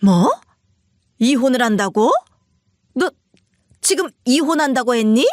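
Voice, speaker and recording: Woman voicing an older mother-in-law, shrill, pushy, indignant, high-pitched. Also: animated, measured pace, darkish tone, no echo, clean studio sound. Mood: scolding. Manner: scolding, indignant, wailing.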